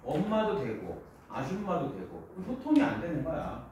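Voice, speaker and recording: A male high school teacher giving a casual classroom lecture, asking students questions and bantering with them. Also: sing-song, moderate pace, a little mellow, a little hiss or hum. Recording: echoey classroom from far off.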